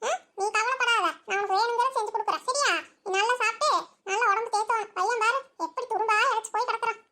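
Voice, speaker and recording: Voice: very high-pitched, fairly even intonation, fast, pushed and bright. A voice actor playing a doting old village grandmother who fusses over her grandson in a comedy cartoon. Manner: fussing and scolding. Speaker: cartoon character.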